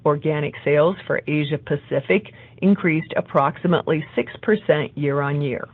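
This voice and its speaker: A woman executive reading a scripted business presentation in a formal, measured way. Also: low-pitched, no echo, phone-quality sound. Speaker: company executive. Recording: band-limited conference call audio.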